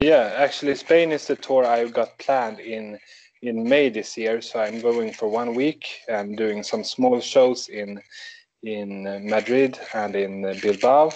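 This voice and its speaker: A man speaks with a Swedish accent at a fairly slow pace. His pitch varies in an ordinary way, with light background noise behind him. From Sweden. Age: 30s. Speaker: musician; interviewee. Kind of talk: interview. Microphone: video call.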